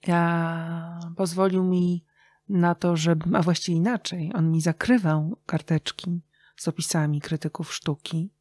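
Middle-aged woman, lower register, conversational storyteller in an interview, recorded dry and close. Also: fairly even intonation, a little slow, darkish tone, no room sound. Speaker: interview guest, radio journalist and writer.

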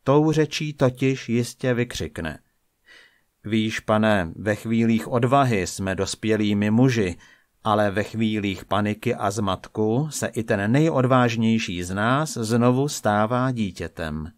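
Man calmly reading short fables. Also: no echo, clean studio sound. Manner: calm storytelling, voices characters with small pitch shifts. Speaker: narrator reading short tales.

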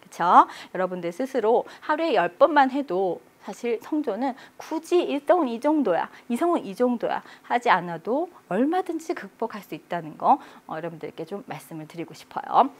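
A woman's voice: a little high, big pitch swings, normal speed, few pauses. A woman teaching a language lesson, explaining tones and sounding each one out in long drawn vowels. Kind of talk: online exam-prep lecture.

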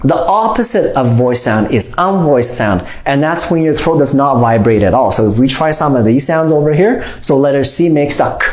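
A man's voice: medium pitch, lively intonation, moderate pace, hardly any pauses. A man in his forties teaching an instructional phonics lesson in an explanatory way, often checking in with "okay?". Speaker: reading teacher. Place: small room indoors. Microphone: lapel mic. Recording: roomy, echoing indoor sound.

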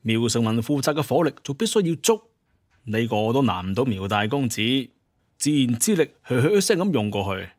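A man's voice: mid-range voice, sing-song, normal speed, darkish tone, no room sound. Male storyteller, dry close recording. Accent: Hong Kong or Guangdong Cantonese. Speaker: narrator. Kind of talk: colloquial scripted story narration.

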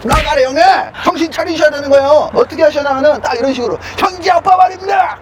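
Brash, high-voiced young man. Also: fast, crowd noise. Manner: brash, coaching, slangy, often shouting. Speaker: co-host. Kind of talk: comedic car review banter.

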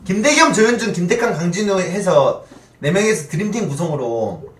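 A man in his twenties chatting casually on a live stream as host, bantering and swearing in an animated way. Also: high voice, moderate pace, far from the mic. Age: 20s. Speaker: streamer hosting a mukbang talk show with a guest. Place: small indoor streaming room. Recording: roomy echo, off the mic.

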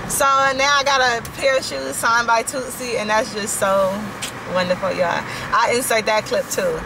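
A woman's voice: on the high side, steady tone, normal speed, loud music behind the voice, rough recording. A young woman vlogging, chatting casually to viewers, filmed on a phone held at arm's length. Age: young adult. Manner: chatty, addresses viewers as y'all, laughs often. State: slightly raspy from yelling at a concert. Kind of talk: casual vlog chat. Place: inside a car, then in a store. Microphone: handheld phone camera at arm's length. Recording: background noise from car and store.

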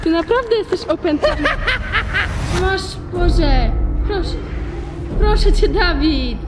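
High-pitched pleading young woman. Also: expressive, slow pace, a loud crowd, heavy background noise. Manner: pleading, whiny, exasperated. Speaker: camera operator and co-host of a video series. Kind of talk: staged spooky adventure vlog. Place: abandoned concrete ruins.

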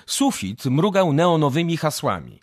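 A man narrating a scripted story for a radio drama in a husky voice. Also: fairly high pitch, very animated, a little slow, no room sound, clean studio sound.

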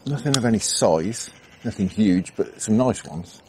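Here a middle-aged man from England, who vlogs about angling, talks casually to himself while fishing on a canal bank at dawn, using easy fillers. His lowish voice is animated but unhurried. There's background noise, with birdsong and insects around him.

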